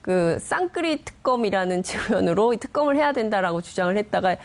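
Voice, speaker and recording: A woman speaks in a medium-pitched voice as a reporter on a political panel. She explains conversationally, linking points into long sentences. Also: lively intonation, a little fast.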